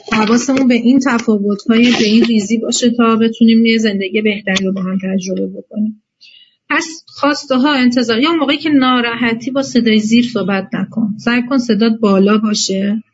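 Woman, relationship instructor, lecture, direct advice, slightly high voice. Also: a little mellow, slightly rough, highs cut off. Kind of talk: lecture to a class.

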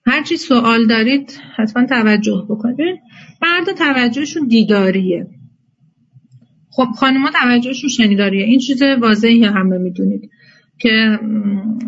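A woman's voice: medium pitch, dull audio. A woman giving a lecture on marriage as an instructor, speaking directly to her listeners with advice. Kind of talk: lecture to a class.

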